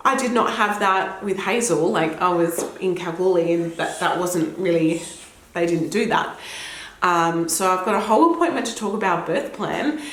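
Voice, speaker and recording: This young Australian vlogger chats casually to camera at home, her lowish voice a little throaty from a cold. She rambles and laughs often, and the room is echoey with slight background noise.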